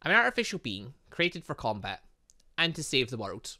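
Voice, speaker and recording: A man's voice: mid-range voice, very animated, normal speed, sharp tone, pitched below the performer's own voice, exaggerated voice. A man reading out the lines of an earnest young female robot girl in a visual novel, in a plain voice. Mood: matter-of-fact.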